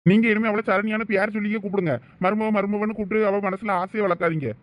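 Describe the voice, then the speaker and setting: Man for a protective, lecturing young villager, Thoothukudi Tamil, very fast talker. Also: high-pitched, fairly even intonation, natural voice. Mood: scolding. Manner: brisk, teasing, lecturing.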